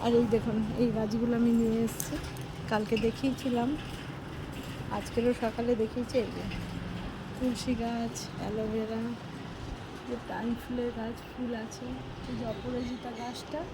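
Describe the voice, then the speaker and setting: A woman's voice: on the high side, little pitch movement, moderate pace, pauses often. A woman vlogger chatting casually as she shows viewers around a new home, pointing things out as she goes. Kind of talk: casual home tour vlog. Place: new flat and surroundings in a city, indoors and on a balcony. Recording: noisy phone recording.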